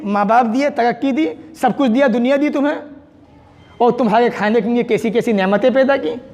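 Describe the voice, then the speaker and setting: A man preaches a fervent sermon in a very high, ringing voice. He asks rhetorical questions and recites Arabic passages. His voice carries a long reverb, as if in a large mosque hall. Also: a little mellow.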